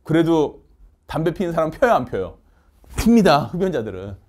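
Male lecturer, middle-aged, high-pitched and animated, quizzes the class nonstop. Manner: energetic, coaxing, quizzes students with quick questions. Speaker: English vocabulary teacher. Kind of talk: online lecture.

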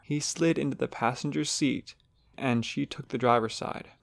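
Gravelly male story narrator. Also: medium pitch, moderate pace.

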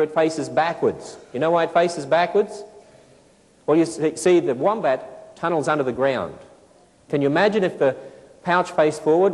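A man's voice: a little high, darkish tone. Australian man lecturing in an echoing auditorium. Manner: playful, asks the audience questions and jokes. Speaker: speaker addressing a children's audience. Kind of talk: animated lecture to a live audience. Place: large auditorium stage with potted plants.

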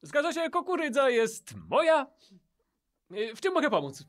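A woman playing a calculating, haughty bar owner in an improvised children's radio play, deliberate and theatrical. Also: sits high, very animated, no room sound, studio quality.

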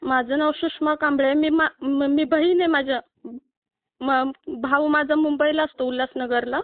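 A high-pitched woman from Maharashtra phones in for help over a tinny, dry line with no room sound. Her intonation is fairly even and her pace moderate as she pleads tearfully, making a complaint and tacking questioning tags onto her points.

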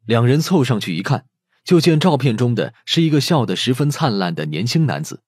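Guy reading an audiobook, bit raspy, expressive pitch, very dry close sound. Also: a little fast, no room sound. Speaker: audiobook narrator. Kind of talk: scripted story narration.

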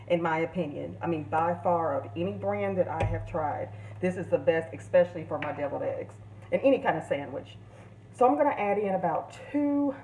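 A woman's voice: lowish voice, noisy background. A woman hosting a casual cook-along in her home kitchen, chatting to viewers as she mixes. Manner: chatty, addresses viewers as guys. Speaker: cooking channel host. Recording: distant voice with loud clattering dishes.

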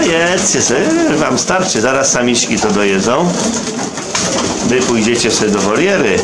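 A man's voice: fairly low pitch, very noisy. A middle-aged man from Poland, a pigeon breeder, explains his birds plainly in a loft and talks coaxingly to them. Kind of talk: casual video talk in a pigeon loft. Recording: echoey loft with loud pigeon cooing.

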